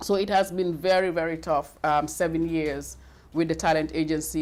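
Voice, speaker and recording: A woman speaks with an African accent at a fairly quick pace. Her pitch is very deep and low. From West Africa (Gambia). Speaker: businesswoman, former talent agency owner. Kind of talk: interview, personal story. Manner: animated.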